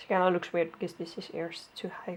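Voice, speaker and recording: A woman mumbles her words. Her pitch sits at a medium level. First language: not English. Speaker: doll maker. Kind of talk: casual demonstration. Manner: mumbling; halting.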